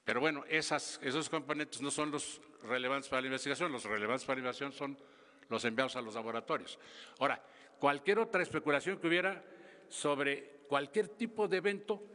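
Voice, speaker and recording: A Mexican man in his seventies answering press questions in a halting, emphatic way, often repeating himself. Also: medium pitch, bright, forceful tone. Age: 70s. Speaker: government official at press conference. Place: large indoor press conference hall. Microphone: podium microphones. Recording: reverberant hall, podium microphone.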